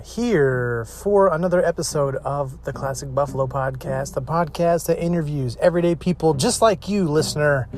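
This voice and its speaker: A man's voice: fairly high pitch, darkish tone. A man hosting a casual interview podcast, talking in an upbeat, chatty, joking way. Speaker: podcast host.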